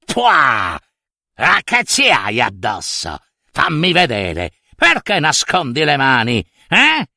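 A man's voice: a little high, wildly swooping pitch, takes it slowly, gravelly, bright, forceful tone, dry recording, clean studio sound, exaggerated voice. A man voicing a greedy child-eating ogress witch who sniffs, grunts and snarls in a fairy-tale telling. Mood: greedy, snarling.

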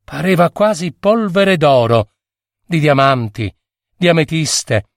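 A man reading a fairy tale aloud as narrator, in a measured, expressive storytelling manner. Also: fairly high pitch, vocal fry, no room sound, studio quality.

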